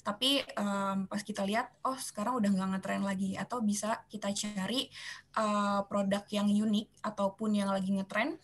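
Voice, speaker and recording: Woman explaining seller rules, full of fillers. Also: medium pitch. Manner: hesitant, many "em" and "eh" fillers. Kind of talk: webinar presentation.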